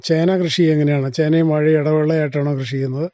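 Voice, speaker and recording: A man's voice: fairly high pitch, level tone, fast talker, warm tone, dry recording. A man, asking questions as a radio interviewer. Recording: dull, muffled radio recording.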